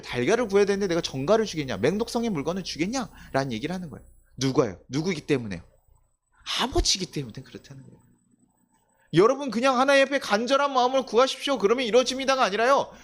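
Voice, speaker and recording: A man's voice: high-pitched, very animated, very fast. A male pastor giving a conversational sermon, asking the congregation questions and acting out quoted voices. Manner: conversational preaching with rhetorical questions; acts out quoted voices of children and God.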